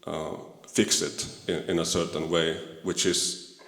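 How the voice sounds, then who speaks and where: Deep-voiced hesitant Swedish-native man. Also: little pitch movement, unhurried, fairly bright tone. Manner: hesitant, searching for words, many fillers. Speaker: questioner. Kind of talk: panel discussion. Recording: echoey hall.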